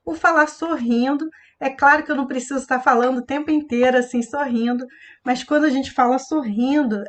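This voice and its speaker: A woman voice coach teaching a live online class, speaking expressively and showing different tones of voice as she explains. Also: high-pitched.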